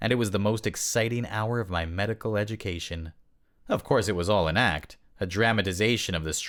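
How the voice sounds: Pitch varies in an ordinary way in a natural reading voice.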